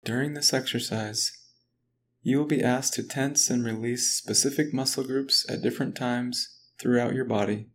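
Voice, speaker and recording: There's faint background noise all through this guided relaxation script, in which a male guide leads a muscle relaxation exercise. He keeps his mid-range voice level and his pace slow, calm and even, with little variation in pitch.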